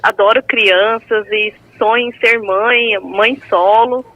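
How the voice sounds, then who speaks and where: A woman's voice: fairly high pitch, fairly even intonation, takes it slowly, bright, forceful tone. A woman from São Paulo state calling in over a phone line, effusive and affectionate as she talks with the hosts. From São Paulo state, Brazil. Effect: heard over a phone line. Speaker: caller. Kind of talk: call-in to a live show.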